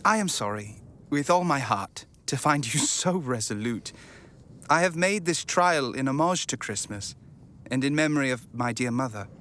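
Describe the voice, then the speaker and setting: An actor playing a cheerful, earnest, good-hearted young gentleman pleading in a theatrical radio drama. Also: mid-range voice, expressive, normal speed, close to an everyday voice.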